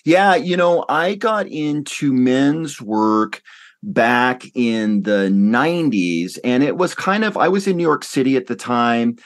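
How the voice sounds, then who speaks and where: Man chatting casually, medium pitch. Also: animated, slow pace. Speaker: podcast guest. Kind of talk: casual interview chat.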